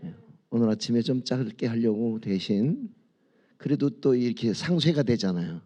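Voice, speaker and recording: A male pastor gives a dawn sermon in a church sanctuary, his voice dark and mellow at a middle pitch. He tells stories in a conversational way and keeps checking in with the congregation through rhetorical questions. He also leads the room in reading and prayer. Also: expressive, normal speed.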